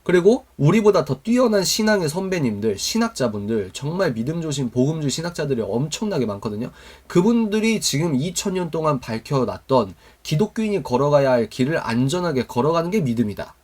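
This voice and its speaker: A man's voice: fairly high pitch, sing-song, brisk, few pauses, a little mellow. A man teaching a Christian youth mentoring lesson, quizzing his listeners with call-and-response questions. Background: live online stream to viewers.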